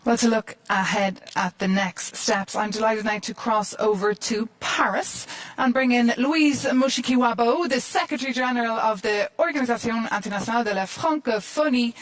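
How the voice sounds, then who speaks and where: A woman hosting a panel event, introducing guests in a smooth, polished presenter style. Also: fairly high pitch, moderate pace, few pauses, poor audio. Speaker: event host. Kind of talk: moderating a panel.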